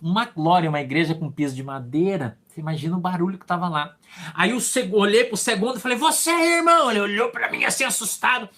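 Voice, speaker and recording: A Brazilian pastor preaching and telling a testimony of his ministry. His voice rises to sudden shouts and drops to hushed asides. The delivery is lively and dramatic, in a sermon style. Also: sits high, fast. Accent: Brazilian Portuguese. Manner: animated storytelling, swings from hushed to shouting.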